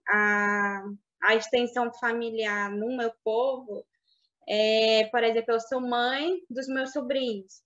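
A woman in her thirties whose first language is Baniwa, telling her life story in an interview, reflective and halting, over a video call. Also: on the high side. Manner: reflective, halting with restarts and soft fillers. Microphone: webcam on video call. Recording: dull lo-fi video call audio.

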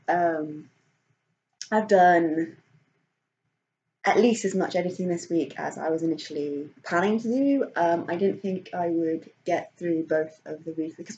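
Woman vlogger, lower voice, casual rambling chat, muffled lo-fi recording. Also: darkish tone, a little hiss or hum. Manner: rambling, many fillers and restarts, laughs often. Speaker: vlogger and author.

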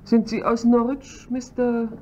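An actress playing a cool, probing chief pharmacist in a radio drama. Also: female voice, a little high, level tone, a little slow, mellow, close to an everyday voice. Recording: dull lo-fi recording, faint hiss.

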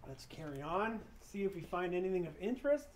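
A middle-aged man casually talking viewers through an abandoned school as he walks, calling them guys in low-key asides, on a handheld camera mic. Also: big pitch swings, a little fast, a little hiss or hum. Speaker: urban explorer vlogger. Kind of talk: casual walkthrough commentary. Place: empty abandoned school, large indoor halls and rooms.

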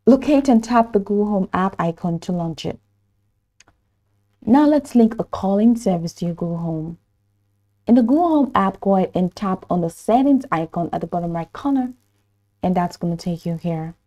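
A woman narrating a step-by-step software tutorial in an instructional manner, hesitant in places. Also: medium pitch, expressive, normal speed. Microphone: voice-over for screen recording.

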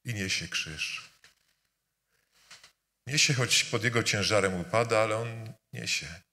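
Low-voiced preacher in a reverberant church. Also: male voice, unhurried. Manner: emphatic, rhetorical repetition, swings between loud and soft. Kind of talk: sermon. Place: church during a service.

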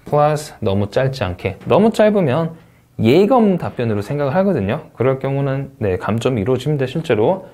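A man teaching a test-prep review lecture, talking in an emphatic, upbeat way and often punctuating points with quick interjections. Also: medium pitch. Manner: lively, emphatic teaching with frequent "자" and "오케이".

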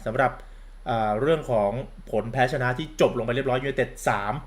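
A man's voice: medium pitch, brisk. A campy man gives a sarcastic, crude-mouthed football commentary rant, calling himself big sister. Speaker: football vlogger.

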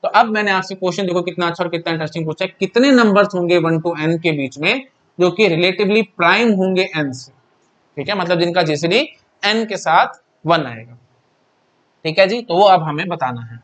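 A man's voice: high-pitched, animated, moderate pace, fairly bright tone. A young Indian man teaching an exam-prep math lecture in mixed Hindi and English, chatty and repetitive, often asking and answering his own questions.

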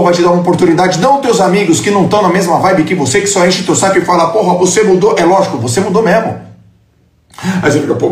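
A fired-up man delivers a motivational talk with a blunt, profane, confrontational edge. His pitch sits a little high and swings widely as he hammers his points home. The sound carries a roomy echo around him. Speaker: motivational speaker. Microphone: live stream. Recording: echoey room.

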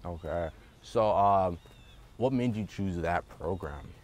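A man's voice: low voice, takes it slowly, a little mellow. A young man from Toronto, hosting an informal, bantering interview outdoors. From Toronto, Canada. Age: young adult. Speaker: student show host, interviewer. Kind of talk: casual interview chat. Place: outdoor sports field.

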